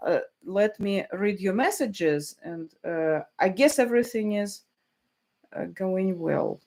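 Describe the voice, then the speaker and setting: A woman's voice: mid-range voice, animated, slow pace, a little mellow. Woman journalist, live commentary, hesitant delivery with restarts. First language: Russian. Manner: hesitant, many fillers and restarts. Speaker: journalist hosting a live stream. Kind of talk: live stream commentary, reading viewer messages.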